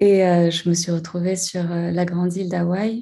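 The delivery is monotone and flat, with a dark, mellow tone, a somewhat breathy quality and a moderate pace. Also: woman. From Paris, France. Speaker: ocean and dolphin advocate. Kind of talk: interview conversation. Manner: halting, with frequent repetitions.

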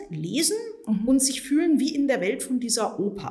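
Amid noticeable background noise, a woman with a high pitch and lively intonation speaks at a moderate pace. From Bavaria, Uffing am Staffelsee. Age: 30s. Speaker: castle tour guide. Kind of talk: interview.

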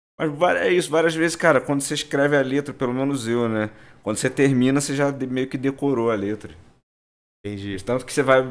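A man talks at a fairly quick pace in an ordinary speaking voice, with medium pitch and ordinary pitch variation. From Volta Redonda, Rio de Janeiro state, Brazil. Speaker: rap producer / DJ. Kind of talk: casual interview.

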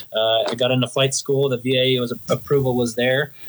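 In an ordinary speaking voice, a man with an American accent talks at a fairly quick pace and medium pitch. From Southern California. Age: 20s. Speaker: pilot and military veteran. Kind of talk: podcast interview.

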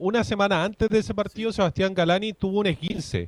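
With a silent background, the very clean recording captures a man talking. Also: dry, close sound with no echo. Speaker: sports reporter. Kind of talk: sports radio report.

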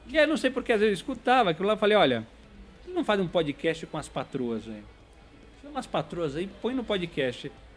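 Over background music, a man with a high pitch talks at a fairly quick pace, his pitch swinging very widely. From Santos, Brazil. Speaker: toy collector and podcaster. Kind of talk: casual live-stream interview. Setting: shop during opening hours, live stream.

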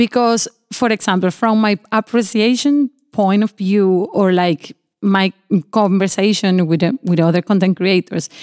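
In a Venezuelan accent, the speaker talks at a fairly slow pace with ordinary pitch variation and very even loudness, the sound dry and close with no echo. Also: woman, medium pitch for a woman. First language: Spanish. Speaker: podcast host. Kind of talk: casual interview in Spanglish. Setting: studio.

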